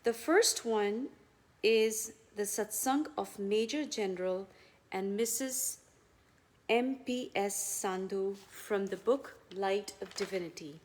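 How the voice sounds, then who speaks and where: A woman with a mid-range voice slowly reads a scripted devotional testimonial phrase by phrase. She begins each phrase firmly and lets its ending trail off softly.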